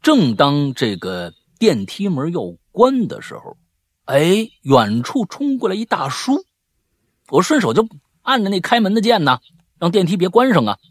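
A male host with a husky, slightly rough voice reads out stories in a chatty, animated style. His pitch swings widely, and he tends toward exasperated, nagging grumbles. The sound is close and dry. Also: moderate pace, dry recording. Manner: grumbling, scolding, exasperated rants. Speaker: host reading listener stories. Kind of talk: animated storytelling with chatty asides.

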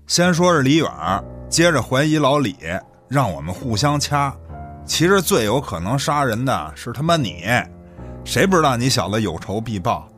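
A man plays a shameless, cynical village boss in a radio drama. His mid-pitched voice swings freely as he swears and sneers in self-justification, with music behind. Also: very animated, moderate pace, fairly bright tone. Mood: mocking, accusing. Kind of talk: Chinese radio drama acting.

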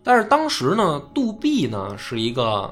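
A man, hosting a history podcast, retells court stories in casual, animated chat and swears now and then. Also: normal speed, faint music behind. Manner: animated, jumps up in pitch for quoted lines, swears casually.

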